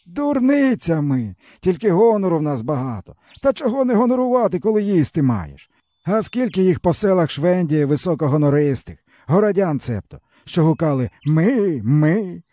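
A man's voice: fairly high pitch, big pitch swings, normal speed, dark tone, dry recording, studio quality, pitched above the performer's own voice. A man voicing a starving old peasant, plaintive. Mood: bitter lament. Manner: plaintive, sighing, folksy rural speech. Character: starving bitter older peasant man, worn out. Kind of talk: audiobook character voice.

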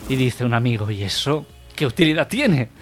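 A man's voice: medium pitch, animated, normal speed. Radio joke-teller, man, music behind. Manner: tells jokes in quoted dialogue, then laughs. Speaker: radio comedy host.

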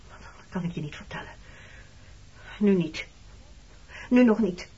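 A woman acting in a radio play as a hurt, reproachful married woman facing her former lover, speaking in a measured, intimate, accusing way with a slightly husky voice. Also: lowish voice, animated, warm tone, exaggerated voice. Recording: dull lo-fi old radio recording.

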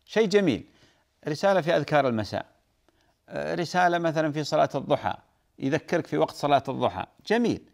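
A man's voice: mid-range voice, vocal fry. A man, a sheikh answering listeners' religious questions and repeating key points for emphasis.

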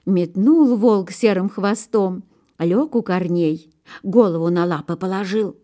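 A woman narrating fairy tales in a storybook reading, measured and expressive in her delivery. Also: mid-range voice.

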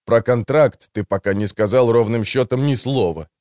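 A blunt, suspicious guildsman questions the stranger in a slow, plain way, as the narrator reads him. The sound is dry and close. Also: medium pitch, darkish tone, no room sound, close to an everyday voice. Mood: wary.

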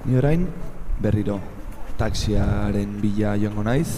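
A man giving a reflective first-person radio monologue in a halting way, repeating phrases. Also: lowish voice, mellow. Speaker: narrator of a radio serial. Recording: outdoor street noise. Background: urban street ambience with vehicles.

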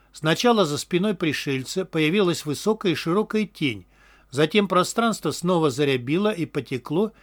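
Man, audiobook narration, steady measured reading, slightly higher voice. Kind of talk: scripted narration.

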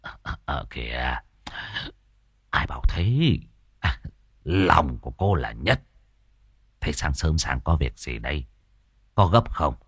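A man's voice: very deep voice, big pitch swings, slow, pauses often, a bit bright, breathy edge, no echo, studio quality, pitched below the performer's own voice, full character voice. A man doing a meek stammering bony old man. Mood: flustered. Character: skinny timid stammering older man.

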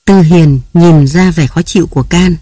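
Audiobook narrator, steady novel reading, middle pitch, dry close mic. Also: moderate pace, no room sound.

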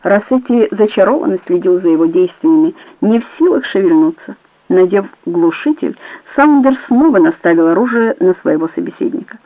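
A woman reading an audiobook in a measured, even narrating voice. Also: fairly low pitch, dry recording. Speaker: audiobook reader. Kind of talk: scripted narration. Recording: dry, tinny phone-like audio.

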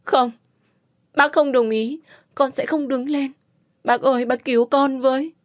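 A woman voicing a young woman who is grieving, pleading and shouting in an audiobook. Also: high-pitched, steady tone, measured pace, no echo, clean studio sound, voice pushed up. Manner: shouting and sobbing pleas. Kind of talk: audiobook character voice.

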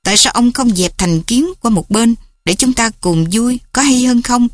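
A woman's voice: a little high, animated, normal speed, no echo, pitched above the performer's own voice, close to an everyday voice. A woman voicing an earnest young man pleading with his love's father.

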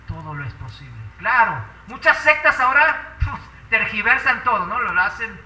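Preacher guy, super bright voice, sounds kinda far from the mic, fired up sermon. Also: high voice, very animated, normal speed, reverberant. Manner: impassioned, rhetorical questions to the congregation.

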